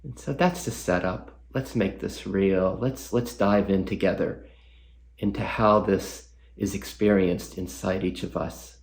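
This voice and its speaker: A man leading a guided meditation as a guest teacher, speaking gently with long pauses and reflective questions. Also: deep voice, vocal fry.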